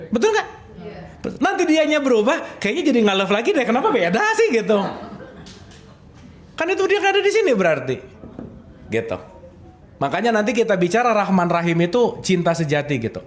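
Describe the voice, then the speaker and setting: A man, giving a casual religious study talk, playful and often asking his audience questions. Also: sits high. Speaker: religious teacher.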